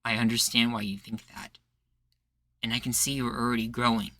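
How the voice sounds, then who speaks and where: A defiant, charismatic male rebel leader, acted by a man for an audio roleplay. His voice is bright and forceful in a very dry space. He speechifies earnestly and persuasively, in folksy phrasing. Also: mid-range voice, flat delivery, brisk, dry recording, lightly acted. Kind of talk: roleplay ASMR acting.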